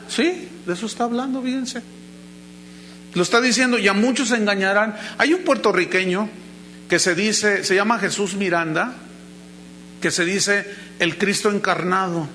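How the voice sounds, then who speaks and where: Emphatic Mexican pastor with a bright voice. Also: male voice, sits high, slight background noise. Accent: Mexican Spanish. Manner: emphatic, stretches key words slowly; acts out anecdotes in quoted voices. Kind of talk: sermon.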